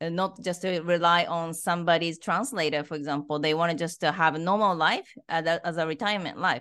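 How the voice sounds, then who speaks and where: Her intonation fairly even, a woman speaks at a very fast pace with hardly any pauses. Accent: Japanese. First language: Japanese. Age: 30s. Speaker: language school founder. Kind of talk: radio interview.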